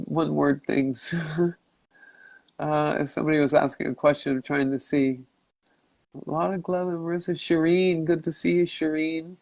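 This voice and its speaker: A man hosting a live stream in casual chat, congested from a cold, rambling and halting as he searches for words. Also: on the high side, creaky, a little mellow, no echo, low-quality recording. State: stuffy nose and cough from a cold. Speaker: livestream host. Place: his home in Mexico.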